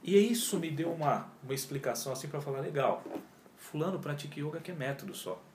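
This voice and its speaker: A yoga teacher in his 40s tells his story in a casual, slangy interview, his fairly high voice moving fast and animated as he often says "cara" and "pô." The recording has a roomy echo and slight background noise.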